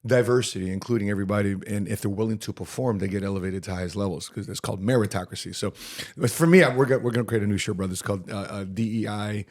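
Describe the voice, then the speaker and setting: Brief: low-pitched man hosting a podcast, quick and upbeat, winding through his questions. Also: a little mellow. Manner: rambling, many fillers and restarts, upbeat. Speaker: podcast host. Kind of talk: casual podcast interview.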